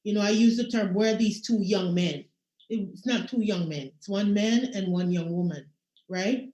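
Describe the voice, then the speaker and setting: A woman's voice: mid-range voice, moderate pace, warm tone, reverberant, rough recording. A woman moderating a video call panel, reflective and emphatic as she responds. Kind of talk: panel discussion.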